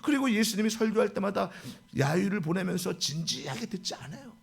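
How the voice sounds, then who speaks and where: High, gravelly man preaching a sermon. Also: fairly quick. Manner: lively storytelling, mixing loud exclamations with hushed asides. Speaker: pastor.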